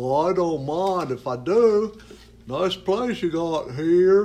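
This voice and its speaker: A man's high-pitched, put-on character voice at a very slow pace. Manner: goofy.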